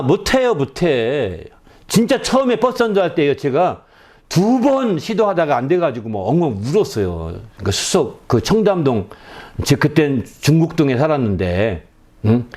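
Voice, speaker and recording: Lively-pitched man preaching a revival sermon. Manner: conversational preaching with frequent "예?" check-ins to the congregation; rises to loud high-pitched cries when acting out repentance. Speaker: pastor.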